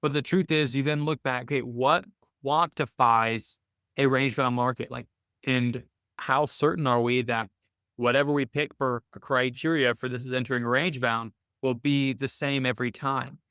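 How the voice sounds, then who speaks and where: A man's voice: medium pitch, steady tone, moderate pace, fairly bright tone, clear, resonant tone, no echo. A man hosting a weekly live call, talking casually and thinking aloud with frequent "right?" tags and small restarts, close to his mic. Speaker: host of a weekly trading call.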